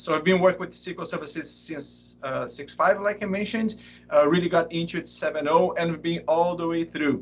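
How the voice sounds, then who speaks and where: A man with a Brazilian accent talks fairly quickly at a high pitch, with fairly even intonation. His loudness swings widely, and there's noticeable background noise. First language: Portuguese. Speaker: cloud data architect. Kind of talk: conference talk. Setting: live online stream. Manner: halting.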